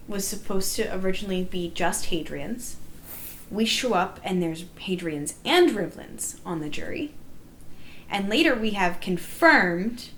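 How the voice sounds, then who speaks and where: A woman recounting events in a group discussion, speaking in an emphatic, indignant, storytelling way. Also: mid-range voice. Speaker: player recounting a live-action roleplay game. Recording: noticeable background noise.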